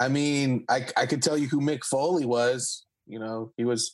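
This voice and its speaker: Fairly slow speech in an American accent. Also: man. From Kingsville, Texas. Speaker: comedian and actor. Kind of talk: comedy game show.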